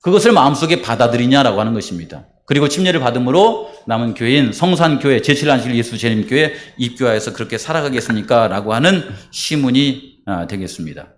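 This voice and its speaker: Talking fast and barely pausing, a man with a medium-pitched, animated voice leads a sermon and baptism rite as pastor in a church sanctuary. He puts questions to the congregation and supplies the answers himself.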